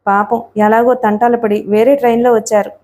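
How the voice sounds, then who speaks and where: A lively young woman, chatty and curious, who recalls old times with a friend, as a woman reads her. The voice is mellow and sits slightly high. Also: brisk, natural voice.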